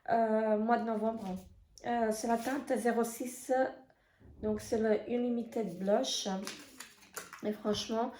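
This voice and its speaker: Hoarse woman vlogger, halting talk. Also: on the high side, dark tone, slight background noise. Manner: halting, full of hesitations. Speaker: beauty vlogger. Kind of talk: casual product review. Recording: echoey room.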